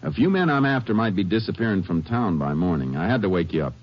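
A man's voice: sits low, very animated, quick pace, lo-fi sound. An actor playing a firm, laconic Texas Ranger lawman in 1950s radio western style, on an old noisy recording. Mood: firm, official. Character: authoritative, steady Texas Ranger lawman, male.

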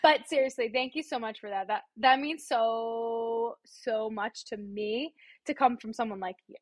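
Bubbly young singer girl chatting on a podcast, kinda high voice, dry sound. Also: steady tone, measured pace, dry recording. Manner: bubbly, giggly. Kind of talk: casual chat.

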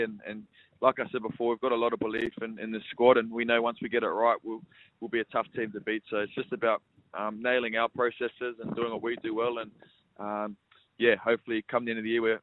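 Young Australian male athlete, brisk and monotone, phoned in over a tinny line. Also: on the low side. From Sydney, Australia. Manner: relaxed, repeats words, says mate often. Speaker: rugby league player. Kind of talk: phone interview.

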